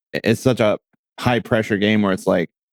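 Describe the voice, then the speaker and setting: With fairly even intonation, a man talks at a moderate pace and a fairly low pitch. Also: dry, close sound with no echo. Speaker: music producer and voice actor. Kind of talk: interview. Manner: hesitant, many fillers and restarts.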